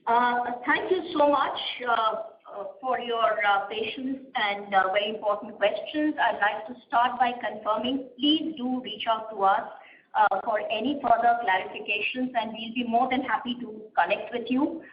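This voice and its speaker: A woman, a company executive answering questions on an earnings call in a measured, explanatory way, pausing often with "uh". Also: fairly high pitch. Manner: measured, explanatory, frequent "uh" pauses. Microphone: conference call line. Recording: roomy, slightly muffled conference line.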